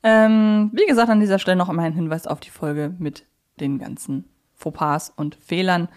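A woman's voice: fairly low pitch, fairly even intonation, moderate pace, a little mellow. A woman co-hosting a casual fan podcast, thinking aloud as she chats. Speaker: podcast co-host.

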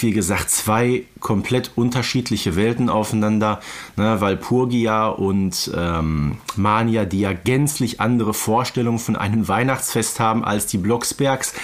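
A man co-hosting a podcast and talking through a review conversationally. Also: lowish voice. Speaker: podcast co-host. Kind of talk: casual review chat about audio drama episodes.

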